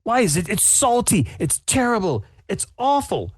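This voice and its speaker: Huffy, high, prissy old judge, a man doing the voice. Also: huge pitch swings, moderate pace, breathy edge, no room sound, studio quality, full character voice. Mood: disgusted. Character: snooty grumpy older male pie judge.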